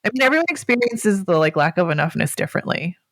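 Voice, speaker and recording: A woman's voice: lowish voice, very animated, fast talker. A woman hosting a podcast, asking thoughtful questions in a casual chat full of fillers. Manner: thoughtful, uses many fillers. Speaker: podcast host.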